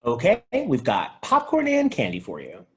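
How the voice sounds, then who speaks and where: A man's voice: mid-range voice, wildly swooping pitch, moderate pace, a bit bright. Guy doing a melodramatic young cartoon clerk, earnest and indignant, voice all over the place. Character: excitable demon-loving young male video store clerk, earnest, melodramatic. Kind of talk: animated comedy table read.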